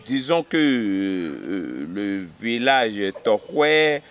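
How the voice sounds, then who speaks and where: A man in his fifties from Benin, a history teacher, telling village history in an outdoor interview, pausing on fillers and often checking he is understood. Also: lowish voice, very animated, fairly bright tone. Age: 50s. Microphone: camera at close range.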